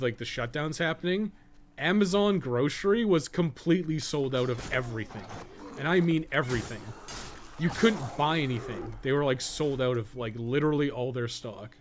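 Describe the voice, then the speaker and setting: A Canadian-accented man in his thirties with a mid-pitched voice hosts a gaming stream. He rambles casually and colloquially, swearing freely as he goes. There is noticeable background noise in the recording. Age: 30s. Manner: profane, colloquial. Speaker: gaming livestream host. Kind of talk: casual rambling stream chat while playing.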